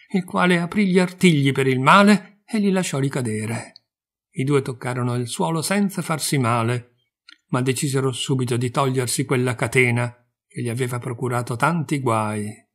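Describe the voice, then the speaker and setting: A man narrates a set of old fables in a calm, measured way, giving each moral plainly. His voice sits at an ordinary middle pitch for a man. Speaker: reader of fables.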